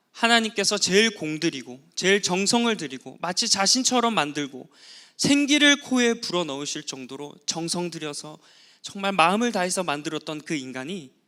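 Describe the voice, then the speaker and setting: A man's voice: high-pitched, pushed and bright. A man preaching a sermon as pastor, telling the story and acting out quoted words.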